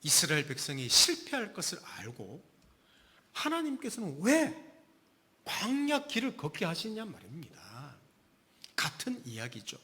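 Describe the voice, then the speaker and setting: A man's voice: on the high side, wildly swooping pitch, normal speed, bright, forceful tone. A middle-aged man, a pastor, delivering a sermon with emphatic rhetorical questions to his congregation.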